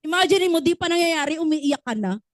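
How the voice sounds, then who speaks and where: A woman's voice: very high-pitched, animated, a little fast, dry recording, rough recording. A woman giving a motivational business training talk, often asking the audience questions and acting out little stories.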